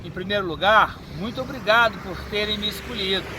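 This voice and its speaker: A Brazilian man in his fifties, a forensic medical examiner, answering interview questions in a measured, teaching manner. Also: high-pitched. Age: 50s. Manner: measured, didactic. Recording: street and car noise behind.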